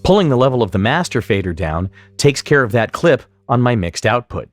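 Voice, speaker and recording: A man giving step-by-step instructional narration as a software tutorial instructor, explaining clearly what he does on screen. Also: mid-range voice, sing-song, a little fast, faint music behind.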